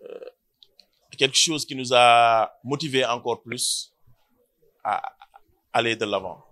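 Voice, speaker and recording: A man in his thirties with a Senegalese accent, an event organizer giving a measured, explanatory statement at a press conference in an indoor room. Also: medium pitch, pushed and bright. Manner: switches between French and Wolof, measured and explanatory. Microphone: cluster of handheld press mics.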